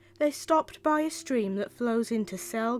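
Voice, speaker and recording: Music in the background behind a woman, her pitch swinging very widely. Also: dry sound with no echo. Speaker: narrator. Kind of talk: documentary narration.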